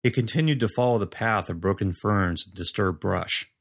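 Deep-voiced man narrating a story. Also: moderate pace. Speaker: audiobook narrator.

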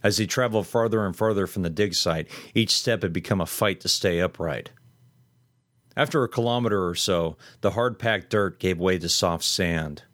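A man reading a horror story aloud in steady, measured scripted narration. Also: deep voice, no echo, clean studio sound.

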